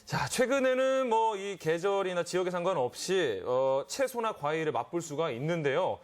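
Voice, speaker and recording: A man's voice: sits high, animated, moderate pace. A man co-hosting a live TV studio show, friendly and affirming with short replies. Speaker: TV show co-host.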